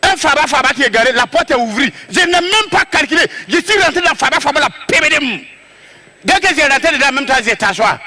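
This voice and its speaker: High bright-voiced comic storyteller man. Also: fairly quick. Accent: West African French. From Togo. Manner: animated, acts out scenes, shouts and drops to low asides. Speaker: stand-up comedian.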